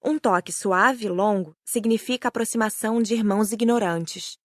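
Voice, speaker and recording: A woman's voice: mid-range voice, normal speed, no room sound, studio quality. A woman with a Brazilian accent reading a scripted first-person audiobook narration.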